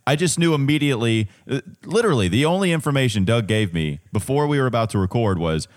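A man's voice: mid-range voice, expressive, fast. A man from North Carolina with a Southern accent, co-hosting a casual sports podcast and rambling with many restarts. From Catawba County, North Carolina. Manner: rambling, self-interrupting, chuckling.

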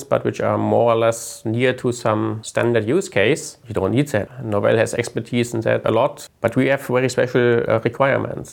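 A man's voice: medium pitch, creaky. A man with a German accent explaining his team's work as an interview guest. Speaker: engineering team lead, interview guest.

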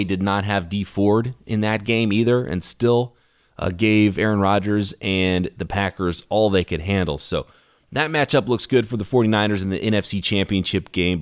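A man hosting a solo sports podcast, talking through the game in an energetic, conversational way while his voice is worn from a cough. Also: on the low side, dry recording, studio quality. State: losing his voice from a lingering cough. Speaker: podcast host.

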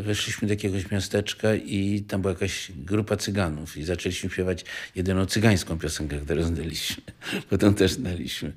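An older man reminiscing in an interview, halting and digressive, often breaking off mid-thought. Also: low voice, a little mellow, breathy edge. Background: music.

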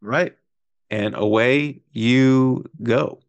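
A man's voice: medium pitch, extremely slow, muffled recording. A man hosting a casual sports podcast, chatting and teasing his co-host in a playful way.

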